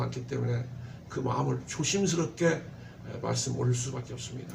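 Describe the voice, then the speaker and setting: A man talks at a moderate pace as noticeable background noise carries on. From Jeolla, South Korea. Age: 70s. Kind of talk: interview answer.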